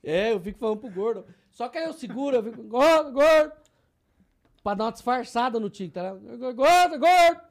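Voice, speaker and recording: Man, rapid casual chat, animated storytelling, slangy. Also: very high voice, gravelly. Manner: animated storyteller, acts out shouts and quoted voices; slangy, frequent filler tags. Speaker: guest.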